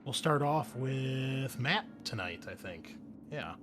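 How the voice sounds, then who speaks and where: A man's voice: mid-range voice, lively intonation, takes it slowly, music in the background. A man hosting a tabletop gaming podcast, chatting informally and enthusiastically with his players as game master. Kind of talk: casual podcast intro and chat with players. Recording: noisy home podcast recording. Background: clear background noise and ambience.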